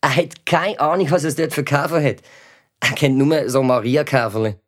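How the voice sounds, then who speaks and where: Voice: mid-range voice, normal speed, lightly acted. A performer voicing a cheeky, grumbling schoolboy, who narrates and mocks others in a children's audio drama. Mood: sulky. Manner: sulky, sarcastic, grumbling. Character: cheeky gamer schoolboy, grumpy and mocking. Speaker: narrating lead character.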